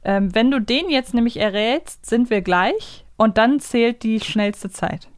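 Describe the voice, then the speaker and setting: A woman's voice: on the high side, takes it slowly, smooth, no room sound, studio quality. A woman chatting casually as co-host of a guessing game. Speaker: podcast co-host and quiz player.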